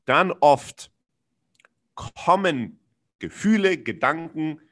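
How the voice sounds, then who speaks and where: A man's voice: on the high side, animated, extremely slow, a bit bright. A man talking reflectively about his feelings in a conversation, searching for words with many fillers and restarts, earnest and frank, dropping blunt slang.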